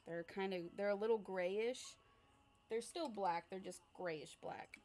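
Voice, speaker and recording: A young woman livestreaming as an art creator, chatting casually and answering viewer comments while she sketches, with a relaxed, rambling manner. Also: mid-range voice, measured pace, a little hiss or hum. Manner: frequent fillers and laughs, relaxed.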